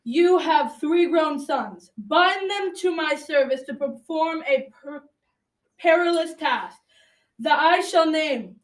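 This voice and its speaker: A woman's voice: high voice, takes it slowly, distant mic. A teenage girl playing a stern, formidable Black Knight in an amateur school radio drama, with formal archaic speech. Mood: commanding. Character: formidable male Black Knight, stern challenger and grieving father. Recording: echoey room, off the mic.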